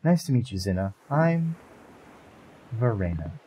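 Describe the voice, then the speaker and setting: A man's voice: medium pitch, big pitch swings, a little slow, dark tone, slight background noise, low-quality recording. A man voicing a timid, large scaly female creature who talks shyly and hesitantly. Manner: shy, hesitant, wide-eyed. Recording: music bed underneath.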